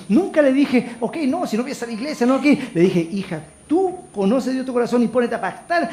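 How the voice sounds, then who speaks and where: Chilean pastor guy preaching, swings loud to quiet, kinda high voice, echoey church. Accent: Chilean Spanish. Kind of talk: sermon.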